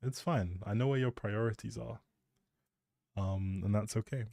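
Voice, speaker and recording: Male streamer, soft mellow tone, casual teasing ramble, close dry mic. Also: fairly low pitch, moderate pace, vocal fry, no room sound. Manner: playful, teasing, thinking aloud. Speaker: live streamer.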